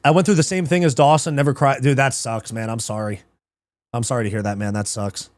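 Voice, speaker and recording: In a mid-range voice, slightly fast, a man hosting a livestream MMA show casually analyzes fights. He curses, laughs often, gets excitable and responds to live chat. There's no room sound in the recording.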